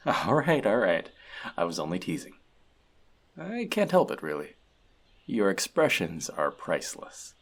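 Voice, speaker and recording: A man playing a wise, teasing, gentle elf friend and magic mentor in a fantasy audio roleplay, talking conversationally and reflectively to the listener. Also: low-pitched, wildly swooping pitch, a little slow, pauses often, heavily acted. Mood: teasing, amused. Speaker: voice actor.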